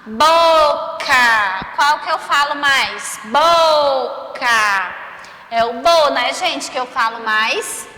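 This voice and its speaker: A woman's voice: high voice, unhurried, hardly any pauses, bright, forceful tone. A Brazilian woman teaching young children in a remote lesson, stretching out syllables and checking in with frequent tag questions. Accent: Brazilian Portuguese. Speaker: primary school teacher. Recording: roomy echo, long reverb.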